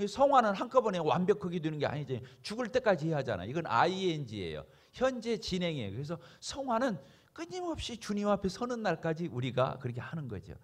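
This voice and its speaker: Animated Korean pastor preaching. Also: male voice, high-pitched, quick pace, few pauses. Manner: emphatic, rhetorical questions to the congregation. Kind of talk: sermon.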